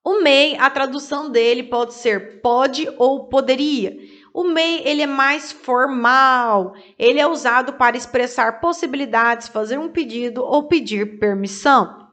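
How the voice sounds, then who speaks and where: A woman teaching English grammar to Portuguese speakers, reading example sentences slowly and then translating each one. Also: sits high, a bit bright. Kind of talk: explaining grammar to learners.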